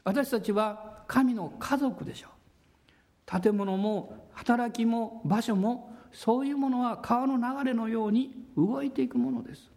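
A man pastor preaching a sermon in a church, with drawn-out pauses and a voice that sometimes drops to a near whisper. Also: very high-pitched, a little mellow.

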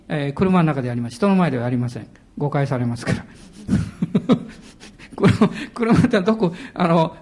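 A middle-aged male pastor delivering a sermon in a strikingly high voice. His pitch leaps around in lively swings, and he laughs readily and bursts into shouted hallelujahs.

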